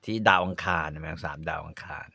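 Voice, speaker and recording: A man's voice: quick pace, bright, forceful tone, dry recording, studio quality. A man chatting casually and bluntly, often stalling with fillers while hunting for words. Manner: loose and profane, hunts for words with many fillers. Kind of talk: casual chat.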